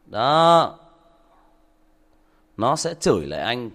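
A man lecturing a commenter during a livestream, sarcastic and scolding, with sudden loud outbursts. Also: mid-range voice, sing-song, slow. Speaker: livestream story reader addressing a commenter. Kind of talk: livestream rant.

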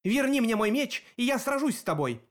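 A man voicing a fierce, defiant teenage girl who shouts scornfully. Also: sits high, wildly swooping pitch, normal speed, pitched above the performer's own voice, full character voice.

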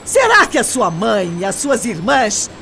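A woman's voice: a little high, wildly swooping pitch, a little slow, vocal fry, pushed and bright, slight background noise, exaggerated voice. An actress in a radio drama playing a decent young female shop clerk who protests and pleads emphatically. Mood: indignant.

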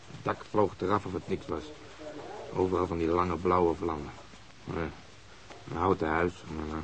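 A low male voice as a police inspector in a radio play. He is blunt and irritable, a hot-tempered, proud man who speaks gruffly. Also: rough recording. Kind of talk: Dutch radio drama acting.

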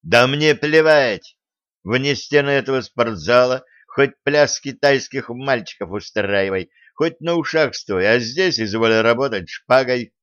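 A man voicing a gruff, angry middle-aged fencing coach who scolds and shouts. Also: medium pitch, lively intonation, a little slow, no echo, dull audio. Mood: angry scolding.

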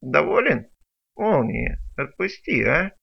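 Guy putting on a high whiny mutant creature in an audiobook, slow moany pleading, dull lo-fi sound. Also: very animated, gravelly, slightly rough, heavily acted. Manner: slow, drawn-out, moaning pleas. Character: whiny battered male mutant, cowardly and pleading. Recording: dull lo-fi recording.

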